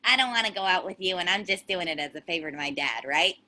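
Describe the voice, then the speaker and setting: A woman acting a pushy, stingy teenage girl who briskly tallies costs in a comedy table read. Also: on the low side, lively intonation, pushed and bright, poor audio. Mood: bossy, calculating. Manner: brisk, demanding, itemizing costs. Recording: remote virtual table read call.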